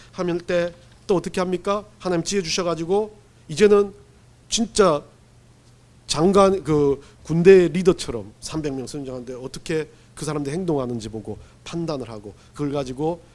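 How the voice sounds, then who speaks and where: A man preaching a sermon as pastor, telling stories in an animated, humorous way and acting out quotes. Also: fairly high pitch. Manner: animated storytelling with acted-out quotes; humorous, laughs while preaching.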